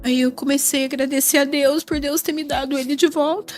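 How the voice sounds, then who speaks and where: A woman's voice: sits high, steady tone, fairly quick, a little mellow, soft background music. A woman with a Brazilian Portuguese accent giving an emotional faith testimony as a mother, crying and repeating her phrases. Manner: tearful, repeats phrases, raises voice in bursts.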